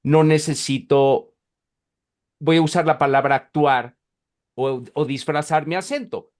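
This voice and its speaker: A man's voice: fairly high pitch, unhurried. A man from Mexico with a Mexican accent, hosting a podcast interview and often repeating words as he talks. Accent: Mexican Spanish. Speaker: podcast host. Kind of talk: casual interview.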